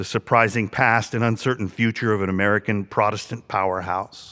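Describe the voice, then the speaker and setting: A man speaks at a moderate pace with a fairly low pitch and a bright, sharp tone. His intonation is monotone and flat, and the recording is very clean, with a silent background. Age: 60s. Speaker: pastor. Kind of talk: sermon.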